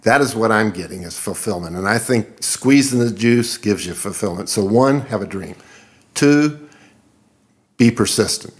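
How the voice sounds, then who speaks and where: A man's voice: lowish voice, lively intonation, moderate pace. A man in his seventies, a guest in an interview, speaking in an earnest, reflective way and laughing easily. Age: 70s. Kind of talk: interview conversation.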